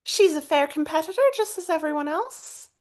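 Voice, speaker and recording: A woman's voice: sits high, moderate pace, darkish tone, voice pushed up, close to an everyday voice. A woman playing an earnest, proudly defensive pig-owning adventurer in a tabletop game, speaking emphatically.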